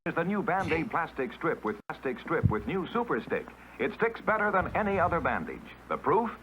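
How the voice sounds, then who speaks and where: A man announcing a 1950s TV commercial in an emphatic, punchy sales-pitch manner. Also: sing-song, fairly quick, background noise.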